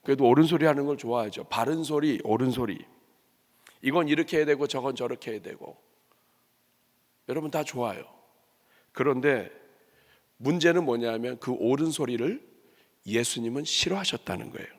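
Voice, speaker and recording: A man's voice: mid-range voice, moderate pace, long pauses. A male pastor preaching a sermon to his congregation, asking them questions and acting out the complaints of others. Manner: lively, asks the congregation questions and acts out complaints. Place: church sanctuary. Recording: long church hall reverb.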